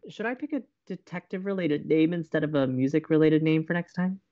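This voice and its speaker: A man playing an excitable, sweet young college radio co-host in an audio drama, eager and playful. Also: a little high, a little fast, highs cut off, natural voice. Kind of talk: naturalistic audio drama acting.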